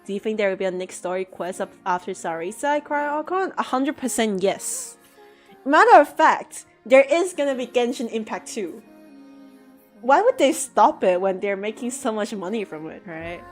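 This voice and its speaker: A woman streamer chatting with her viewers, her voice pitched a little high and swinging widely as she jumps into mock-dramatic outbursts. Soft music plays faintly behind her. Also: expressive, moderate pace. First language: English. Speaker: art streamer answering chat. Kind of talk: casual livestream chat.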